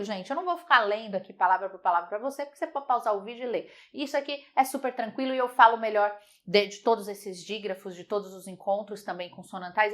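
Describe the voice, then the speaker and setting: A woman teaching a Portuguese grammar lesson, lively and emphatic, repeating words slowly to model their sounds. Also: on the high side.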